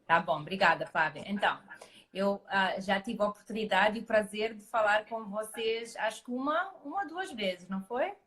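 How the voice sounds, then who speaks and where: A woman's voice: mid-range voice, expressive, normal speed, a bit bright. A middle-aged woman from Mozambique, a naturopathic doctor, speaking as a guest in a live interview with many fillers and restarts.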